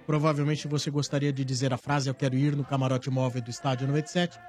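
A man's voice: medium pitch, flat delivery, quick pace, darkish tone. A man hosting a radio call-in segment, reading sponsor promos in an upbeat way and chatting with callers. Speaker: radio host.

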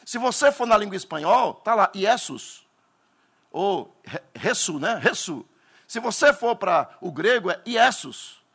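A Northeastern Brazilian man preaching a Pentecostal sermon, telling stories dramatically and bursting into shouts. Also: high-pitched, sing-song, measured pace, slightly rough.

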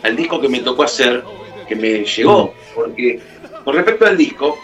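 A man's voice: medium pitch, lively intonation, moderate pace, fairly bright tone, distant mic, faint music behind. A man with a Rioplatense Spanish accent, a guest musician in an interview, telling a heartfelt story and acting out the dialogue. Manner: heartfelt, acts out quoted dialogue.

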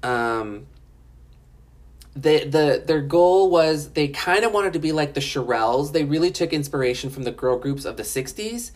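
A woman's voice: low voice, lively intonation, moderate pace, darkish tone. Chatty, frank woman reviewing. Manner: chatty, filler-heavy, frank and profane. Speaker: documentary reviewer. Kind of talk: casual spoken review. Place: home in Los Angeles.

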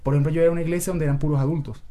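A man's voice: a little high, fairly even intonation, racing, warm tone. A young man with a Venezuelan accent, earnestly talking about his faith in a casual church talk show. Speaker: youth co-host.

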